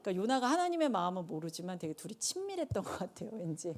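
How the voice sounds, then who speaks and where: Animated middle-aged woman preaching. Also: medium pitch, racing. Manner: animated storytelling with lively asides. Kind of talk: conversational sermon.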